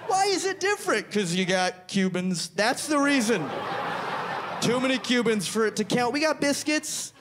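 Young man, stand-up comic, higher voice, animated delivery, handheld mic, comedy club with faint crowd noise. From Florida, US. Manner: animated, quick punchlines, acts out other voices. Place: comedy club stage before a live audience.

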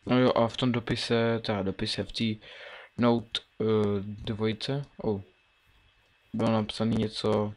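With keyboard and mouse clicks in the background, a young man in his late teens plays a game and casually talks it through for a Let's Play, mumbling his thoughts as they come. His pitch is fairly low and his delivery flat.

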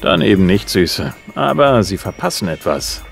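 A man's voice: low-pitched, sing-song, moderate pace, creaky, soft background music, full character voice. An actor playing a cocky, wry bounty hunter who narrates his case in a laconic, flippant audio drama style. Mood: smug, flirtatious. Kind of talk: hard-boiled first-person audio drama narration.

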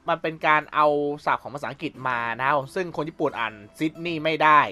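A man's voice: fairly high pitch, fast, bright, forceful tone. A young man casually commenting while playing a video game, chatty and rambling with polite filler endings. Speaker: gameplay commentator. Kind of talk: casual let's-play commentary. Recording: voice over game audio and music.

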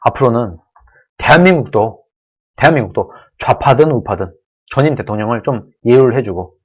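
Man pleading in a lively commentary monologue. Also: medium pitch, a little fast, slightly rough. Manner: earnest, pleading, repeats and rephrases points. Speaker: political commentary channel host. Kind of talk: solo political commentary monologue.

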